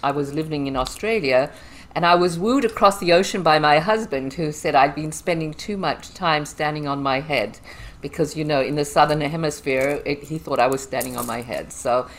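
Zimbabwean accent lady, kinda low voice, talks lively and laughs a lot. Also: moderate pace. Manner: chatty and animated, laughs often. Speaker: guest. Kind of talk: casual interview chat.

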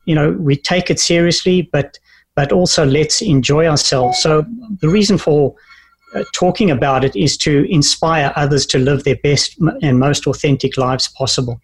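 A man in his fifties with a South African accent talks as a guest on a talk show. His voice is somewhat husky and sits a little high, and he speaks in an earnest, measured way, often restarting his sentences. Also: low-quality recording. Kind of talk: interview conversation.

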